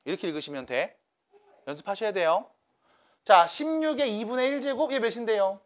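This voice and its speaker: A man's voice: high voice, animated, fairly quick. A man teaching a math class to students, coaxing and checking in with them by name.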